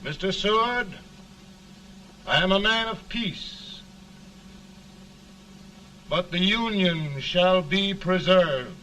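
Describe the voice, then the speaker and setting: An actor playing a calm, weary middle-aged man of peace in high office, heard as early talkie film sound with a slow, measured delivery. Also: slight background noise, heavily acted, rough recording. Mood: resolute.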